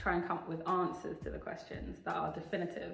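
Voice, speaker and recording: A woman's monotone, flat intonation with music in the background. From Barbados / England (mixed Bajan and English heritage). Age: 30s. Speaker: spiritual healer and wellness content creator. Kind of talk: casual talk to camera, reflective monologue. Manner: thoughtful, musing, conversational.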